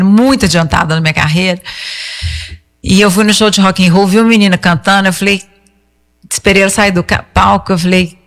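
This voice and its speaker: A Brazilian woman speaks as a singer in a casual interview, recounting stories with emphasis and quoted dialogue. Her voice sits at an average pitch for a woman, and the recording carries a long, hall-like reverberation. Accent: Brazilian Portuguese.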